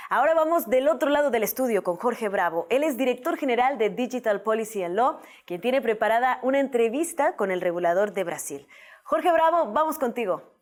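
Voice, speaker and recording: Female news presenter, slightly high voice. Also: a little mellow. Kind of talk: scripted news narration. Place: TV studio.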